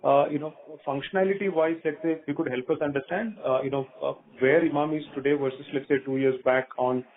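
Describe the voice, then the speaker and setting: A man's voice: on the high side, steady tone, fast. A man with an Indian accent asking questions as a financial analyst, wordy, hedging and deferential. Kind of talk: spontaneous questioning on an earnings call. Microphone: phone line. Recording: tinny phone conference line.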